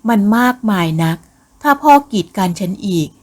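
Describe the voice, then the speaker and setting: A woman voicing a sweet, devoted young village woman in an audiobook, speaking slowly and dotingly. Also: mid-range voice, expressive, darkish tone, natural voice. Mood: determined.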